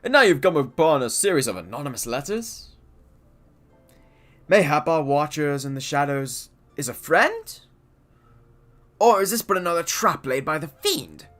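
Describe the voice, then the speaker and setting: A man voicing a grand, flowery older nobleman from a video game, delivering lines loudly and with flourish. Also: fairly high pitch, big pitch swings, normal speed, pauses often, faint music behind. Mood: grandiose. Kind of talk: game dialogue read aloud.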